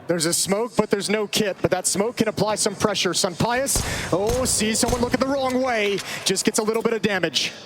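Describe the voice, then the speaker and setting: A man's voice: high voice, moderate pace, a crowd in the background. A man giving tactical commentary as an esports co-caster and analyst.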